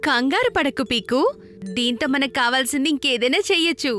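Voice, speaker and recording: A woman playing a calm, caring mother in a children's cartoon, speaking in a gentle, instructive manner. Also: high voice, a little fast, faint music behind. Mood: reassuring.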